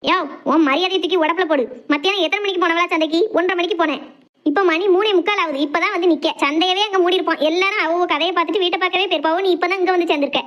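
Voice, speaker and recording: A woman acts out a cranky elderly cartoon mother-in-law with a southern Tamil Nadu accent. Her voice is high and she scolds extremely fast, full of sarcasm. The sound is a little dull. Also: a bit bright. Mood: irritated scolding. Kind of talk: cartoon comedy drama dialogue.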